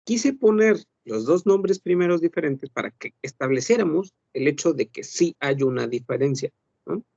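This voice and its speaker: A man's voice: on the high side, animated, moderate pace, vocal fry, darkish tone, dry recording, muffled recording. A man teaching an online French class, explaining patiently with rhetorical questions and frequent self-corrections.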